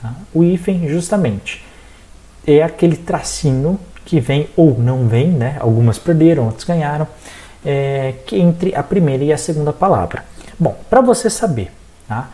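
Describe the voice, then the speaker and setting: Animated Brazilian teacher with a mellow voice. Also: medium pitch, moderate pace. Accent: Brazilian Portuguese. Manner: animated, addresses students directly, checks in with frequent "tá?". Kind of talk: recorded exam-prep lesson.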